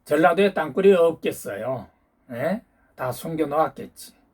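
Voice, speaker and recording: Hosting a YouTube channel, a man lectures and hectors his viewers in a political rant, constantly demanding answers through challenging rhetorical questions. He speaks at a moderate pace in a husky, slightly high voice whose pitch jumps around in a lively, animated way.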